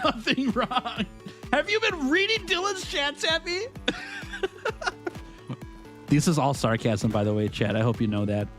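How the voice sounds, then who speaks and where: A man's voice: medium pitch, fairly bright tone. A man live-streaming a video game, chatting casually with his viewers, joking and laughing often as he reads their messages aloud. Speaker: gaming streamer.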